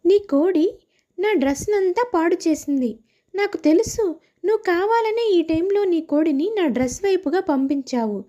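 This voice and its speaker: A woman voicing a quarrelsome neighbor housewife who scolds loudly, in a cartoon story. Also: extremely high pitch, expressive, moderate pace, highs cut off. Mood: angry. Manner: scolding, shouting.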